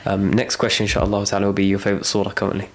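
A man hosting a podcast, asking quick questions and offering short affirmations. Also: fairly low pitch, monotone. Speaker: podcast host. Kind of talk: casual interview.

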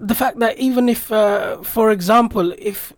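As a guest on a radio interview, a British native English speaker reflects on a trip he took, earnest and rambling. His voice sits high and keeps a moderate pace, recorded with no room sound.

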